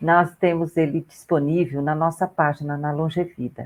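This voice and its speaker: Fairly even intonation from a woman with a very deep, low pitch, at a fairly slow pace. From Brazil. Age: 60s. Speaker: consultant on ageing. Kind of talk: interview.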